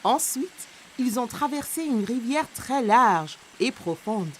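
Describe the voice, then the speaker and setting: A woman narrating a children's cartoon in a gentle, even storytelling manner. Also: on the high side, takes it slowly, noisy background. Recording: narration over loud cartoon music.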